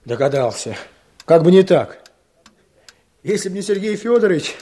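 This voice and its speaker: A serious village worker with a husky, somewhat raised voice, speaking in earnest tones in a radio play. He tells his story plainly and always sounds focused on the job at hand. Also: high-pitched, sing-song, moderate pace, mellow. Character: village man Fyodor, earnest, business-minded. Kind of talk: Soviet radio play acting.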